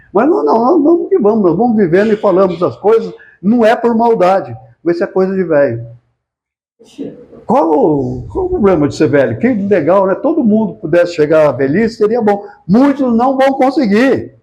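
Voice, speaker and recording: A man speaks at a moderate pace in a high voice with very wide pitch swings and a dark, mellow tone, with audible room echo around him. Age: 80s+. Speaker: spiritist lecturer. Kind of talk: lecture. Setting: hall with live audience. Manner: conversational, engaging audience with questions.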